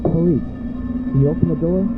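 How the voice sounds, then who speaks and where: A man's voice: fairly high pitch, moderate pace, lightly acted. A man playing a stern, insistent police officer calling out firmly in a horror audio drama. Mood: commanding. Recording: tinny, phone-like band, loud music. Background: loud music.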